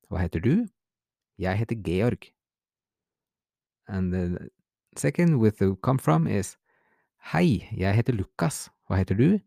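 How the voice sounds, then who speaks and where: A man hosting a podcast, giving a relaxed, unscripted language lesson, reading example phrases slowly and translating them. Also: mid-range voice, vocal fry, no room sound, clean studio sound. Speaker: podcast host, language teacher. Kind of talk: casual spoken language lesson.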